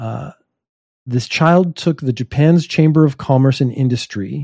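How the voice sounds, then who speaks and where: A man with a Canadian accent speaks at a fairly slow pace. His tone is dark and mellow, with ordinary pitch variation. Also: dry, close sound with no echo. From Canada. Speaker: podcast host. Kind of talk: solo monologue, casual commentary. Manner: casual, rambling, self-deprecating humor.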